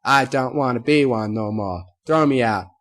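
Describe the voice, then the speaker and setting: A man's voice: medium pitch, moderate pace, close to an everyday voice. A man voicing a plainspoken farm mare. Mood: defiant. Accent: Southern US. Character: proud honest farm mare, southern twang.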